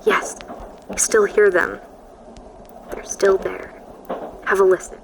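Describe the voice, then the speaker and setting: An actress playing an uneasy woman recording a haunted account for an audio drama, measured and hushed. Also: mid-range voice, level tone, vocal fry, background noise. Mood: whispered dread. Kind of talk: audio drama monologue, tape diary.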